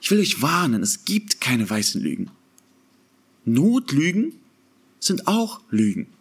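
A man preaching a sermon in an earnest, emphatic way, slowing down to stress key words. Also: on the high side, wildly swooping pitch, husky.

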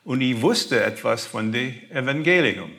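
Brief: American-accented man, guest speaker, slow and halting delivery, bright forceful tone, hunts for words and drifts into English. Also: mid-range voice, lively intonation, vocal fry. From grew up in the USA. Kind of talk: personal faith testimony.

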